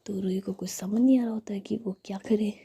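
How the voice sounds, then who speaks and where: A woman telling a story in a steady, hushed whisper with chatty filler words. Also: mid-range voice, fairly quick, breathy edge.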